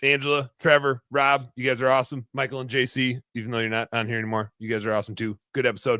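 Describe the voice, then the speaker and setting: With a Minnesotan accent, a man speaks very fast with hardly any pauses, his medium-pitched voice bright and sharp in tone, his intonation fairly even, and the sound dry and close with no echo. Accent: Minnesota. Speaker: podcast host. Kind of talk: casual panel chat.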